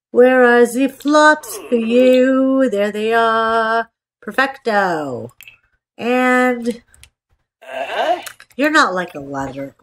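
Slow-paced woman gamer, slightly stuffed-up. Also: mid-range voice, a bit bright. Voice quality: stuffed-up, congested nasal sound. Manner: playful, chatty self-talk with repeated phrases. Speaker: gaming video host. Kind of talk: casual rambling gameplay commentary. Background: voice-over for a screen-recorded game.

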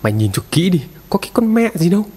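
A man voicing an angry, brutal rural husband who yells and scolds harshly. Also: fairly high pitch, sing-song, brisk, husky, pitched above the performer's own voice. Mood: angry yelling. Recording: long reverb.

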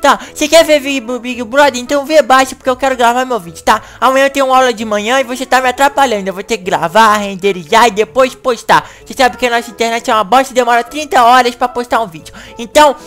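A woman hosting a gaming channel in a comedic video-game animation. She talks in excitable, whiny bursts with a rather high voice. Faint music plays under her. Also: fast, few pauses.

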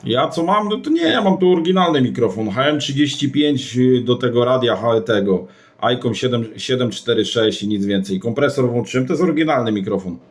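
A man's voice: mid-range voice, animated, a little fast. A man talking casually and matter-of-factly as a CB radio operator. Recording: roomy sound with clear noise and clicks.

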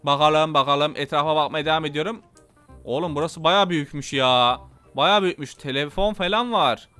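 A man with a Turkish accent giving excitable, casual gameplay commentary, talking to his viewers and swearing playfully. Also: on the high side, moderate pace, clear, resonant tone, faint music behind. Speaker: gameplay YouTuber.

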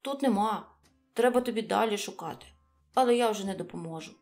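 Woman voicing brisk little storybook mouse. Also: mid-range voice, lively intonation, darkish tone, far from the mic, soft background music, natural voice. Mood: curious, helpful. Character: small helpful young mouse guide.

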